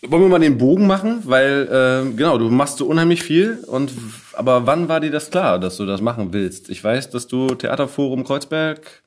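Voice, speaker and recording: A man's voice: mid-range voice, lively intonation, moderate pace, few pauses. A man hosting a podcast in casual chat, speaking informally in short remarks. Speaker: podcast host and audiobook producer.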